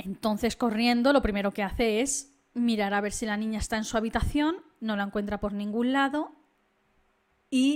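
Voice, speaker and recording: A woman's fairly high, animated voice with ordinary pitch variation, on a very clean recording with a silent background. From Canary Islands. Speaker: true crime YouTuber. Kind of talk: monologue narrating a true crime case.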